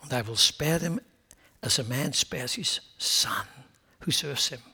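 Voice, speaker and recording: A man's voice: medium pitch, measured pace, pushed and bright, breathy edge, in a whisper. A man preaching a sermon as a pastor, impassioned and repeating words as he builds emphasis.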